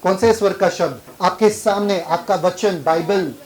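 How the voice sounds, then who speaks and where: A man's voice: high-pitched, measured pace, a little mellow, low-quality recording. A man, a pastor, preaching a sermon and pressing the congregation with questions. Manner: questions the congregation and drives for answers.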